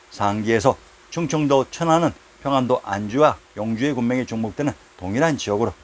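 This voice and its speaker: Man reading a scripted history lecture. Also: mid-range voice. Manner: reads out entry headings and citations in a measured recital. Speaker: narrator of a history lecture series. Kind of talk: scripted narration.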